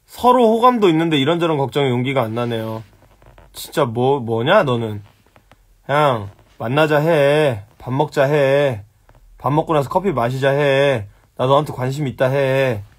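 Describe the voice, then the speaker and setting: A man's voice: medium pitch, normal speed. A young man hosting a casual live stream, answering viewer questions bluntly, teasing and swearing at them. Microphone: phone.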